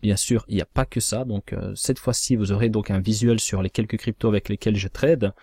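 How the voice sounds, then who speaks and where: A man giving a measured, cautionary voice-over that walks through trading charts. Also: fairly low pitch, fairly even intonation, mellow, breathy edge, dry recording, studio quality. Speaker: crypto trading analyst. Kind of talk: scripted chart analysis voice-over.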